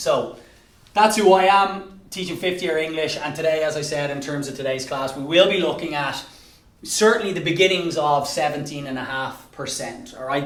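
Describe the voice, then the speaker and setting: With a Dublin accent, a man speaks at a fairly high pitch with ordinary pitch variation and big swings in loudness, amid audible room echo and noticeable background noise. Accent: Irish (Dublin). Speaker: teacher. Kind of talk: lecture. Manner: fast.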